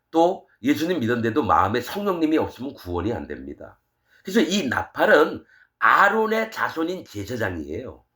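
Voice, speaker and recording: Fiery, scolding male preacher. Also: mid-range voice. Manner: fiery, scolding, swings between loud bursts and quiet asides. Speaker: pastor. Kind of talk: sermon.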